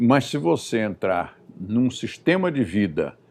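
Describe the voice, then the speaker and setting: A man's medium-pitched voice with very wide pitch swings, in a very clean recording against a silent background. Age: 70s. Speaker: yoga teacher. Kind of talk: lecture to live audience.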